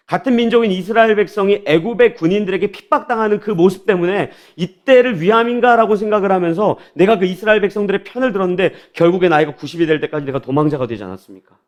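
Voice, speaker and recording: An aggrieved old prophet pours out his complaints, as a preacher puts him on. The voice sits a little high and pleads in long questioning runs, like a sermon retelling. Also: fast, lightly acted.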